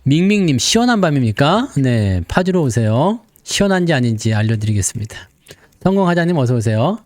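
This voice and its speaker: A man's voice: mid-range voice, big pitch swings, fairly quick, darkish tone, no room sound. A man hosting a stock market livestream. He chats casually and jokes as he greets viewers by name, one after another. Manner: chatty, jokey, reads viewer names one after another. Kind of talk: casual live-stream chat greeting viewers.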